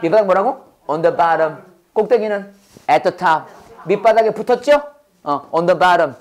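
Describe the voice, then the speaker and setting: Here a hoarse English teacher keeps a call-and-response drill moving at a brisk clip, repeating prompts that the class then echoes. The voice is mid-range, with lively intonation.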